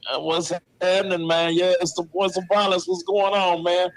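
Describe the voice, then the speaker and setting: A man calling in to a show, telling stories casually in animated, colloquial and boastful slang. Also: high-pitched, normal speed, over a noisy crowd, rough recording. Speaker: caller to the show, a ring announcer. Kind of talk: casual chat and storytelling. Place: on a call to a show.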